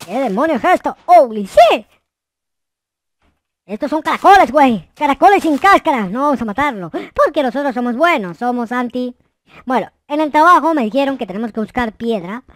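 Squeaky high goofy noob boy for minecraft roleplay, swoops all over, dramatic and easily scared. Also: lively intonation, fairly bright tone, dry recording, studio quality. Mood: playful. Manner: exaggerated, goofy, dramatic, drawn-out exclamations. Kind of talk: roleplay gameplay commentary.

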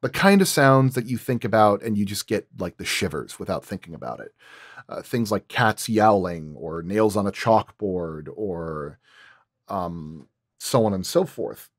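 A man's voice: lowish voice, animated, unhurried, no echo, clean studio sound. A man speaking as a sound designer in a roundtable, thinking aloud and repeating and rephrasing as he explains his craft.

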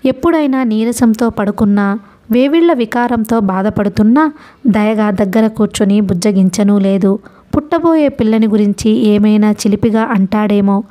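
A woman narrating a novel in a steady storytelling manner. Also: medium pitch. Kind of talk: novel reading.

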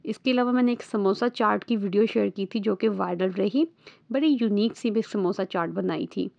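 A woman's voice: medium pitch, moderate pace, creaky, darkish tone, dry recording, lo-fi sound. A woman with a Lahori accent giving a patient, step-by-step voice-over for a home cooking lesson. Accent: Lahori Urdu-Punjabi. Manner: patient step-by-step instructing, often checking in with listeners. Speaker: cooking channel host. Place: voice-over recorded apart from the kitchen footage.

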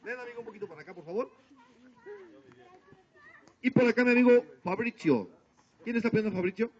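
Man, silly clown host, high voice, playful drawn-out announcements, dull lo-fi outdoor recording. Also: a little mellow. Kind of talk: live children's party entertainment, running a contest on microphone. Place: outdoor garden party. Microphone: handheld microphone over PA, filmed by distant camera. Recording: dull lo-fi camera audio of amplified voice.

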